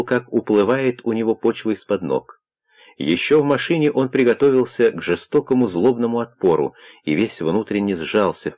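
A man narrating an audiobook in a measured, even reading. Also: on the low side.

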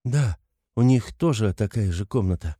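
A man reading an audiobook, voicing a timid, pleading poor young woman who talks in soft, halting, flustered tones. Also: lowish voice, animated, breathy edge, no room sound, studio quality.

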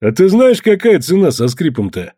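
A hulking, leering shop clerk, played by a male narrator, teasing with a smirk in his raised voice. The delivery rises and falls lively, recorded close and dry. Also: on the high side, normal speed, husky, dry recording, voice pushed up.

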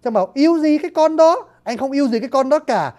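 A narrator voicing a bewitched young man who pours out cheap flattery and blustering threats. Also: sits high, fast talker, pitched above the performer's own voice. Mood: scornful. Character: bewitched young man, gushing and hot-headed.

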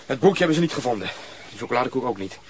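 A man's voice: medium pitch, lively intonation, very fast, slight background noise, close to an everyday voice. An actor in a Dutch radio drama playing a blunt, sardonic male police detective with a dry, sarcastic delivery.

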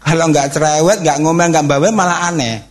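A man gives a religious talk to teens and their parents. His voice sits a little high and swings widely as he asks the room questions. He talks in a lively, way. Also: brisk. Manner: animated, acts out quotes and cheers, asks the audience questions. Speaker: youth counselor giving a talk.

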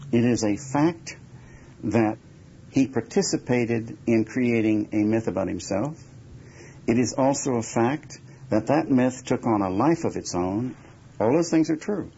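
A man giving reflective interview answers in deliberate, emphatic, measured phrases. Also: mid-range voice, lively intonation, creaky, warm tone, husky. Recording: dull lo-fi recording with background noise.

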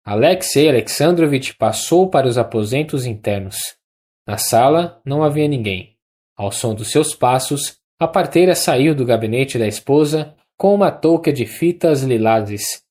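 Measured Brazilian audiobook narrator. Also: medium pitch, expressive, a little mellow. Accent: Brazilian Portuguese.

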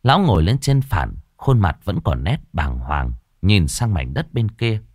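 A man reading a ghost story aloud in a steady storytelling manner. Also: low-pitched, unhurried, slightly rough, no echo, studio quality. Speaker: narrator.

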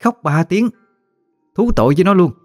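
Man voicing a coarse old woman ghost, shrill, scolding, dry close mic, faint music. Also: animated, normal speed. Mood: furious. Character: fierce foul-mouthed old woman ghost.

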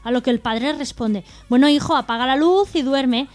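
A woman co-hosting a radio humor show, reading jokes aloud in a brisk, even way. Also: high-pitched.

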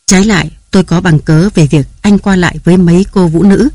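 A man's voice: high voice, fairly even intonation, brisk, warm tone, no room sound, studio quality. A man reading aloud who voices a frightened young wife, tearful and pleading. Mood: defiant.

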